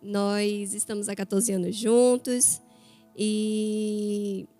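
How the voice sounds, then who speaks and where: A woman's voice: mid-range voice, flat delivery, very slow, warm tone, soft background music. A woman in her thirties from Bahia with a Bahian accent, preaching a chatty, story-filled sermon to a church. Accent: Bahia Portuguese. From Bahia, Brazil. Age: 30s. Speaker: guest preacher.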